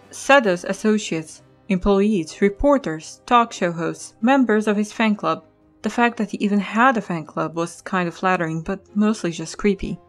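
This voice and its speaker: A woman reading scripted story narration as the narrator of an audio drama. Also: mid-range voice. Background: music.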